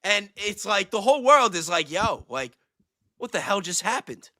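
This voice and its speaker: Male panelist, higher bright voice, slangy emphatic casual talk. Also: big pitch swings, normal speed, no room sound. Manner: slangy, emphatic, repeats points. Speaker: livestream panelist. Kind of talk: casual chat.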